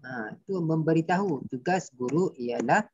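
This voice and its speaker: A man's voice: fairly high pitch, lively intonation, moderate pace, slight background noise. A male primary school teacher with a Malaysian Malay accent, patiently explaining a grammar lesson and quizzing his pupils. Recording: dull dry lo-fi recording.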